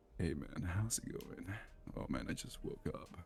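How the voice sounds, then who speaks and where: Putting on a character voice, a man speaks at a moderate pace in a very deep, low, gravelly tone. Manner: groggy, casual.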